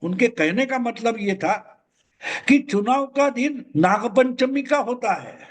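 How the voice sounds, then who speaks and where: Older male commentator, very high voice, emphatic and repetitive solo monologue. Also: animated, takes it slowly. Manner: emphatic, repeats points. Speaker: political commentator.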